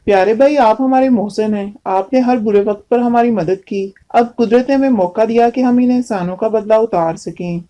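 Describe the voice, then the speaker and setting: Woman voicing a mellow, loyal ant friend. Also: on the high side, normal speed, hardly any pauses, dull audio, voice pushed down, lightly acted. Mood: grateful. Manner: earnest, affectionate, formal.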